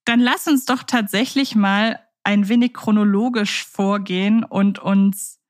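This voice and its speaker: A woman co-hosts a podcast and steers the conversation with questions. She talks in an articulate, lively way, with a voice in the ordinary middle range for a woman. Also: mid-range voice, a little slow. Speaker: podcast co-host. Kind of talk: casual podcast chat.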